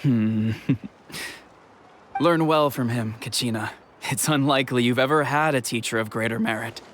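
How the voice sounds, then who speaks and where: An actor playing a protective, courteous tribal chief in a video game, speaking in a measured, frank, explanatory way. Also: male voice, mid-range voice, fairly bright tone, a little hiss or hum, close to an everyday voice. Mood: courteous, impressed. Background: game music.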